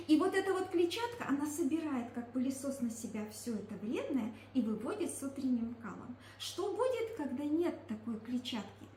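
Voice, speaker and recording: Woman, high voice, emphatic explanatory product pitch, rhetorical questions, echoey room. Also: big pitch swings, moderate pace, hardly any pauses, warm tone. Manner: emphatic, explanatory, asks and answers own questions. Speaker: presenter promoting a nutrition product. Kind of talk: product presentation talk to a group. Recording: echoey room with faint background noise.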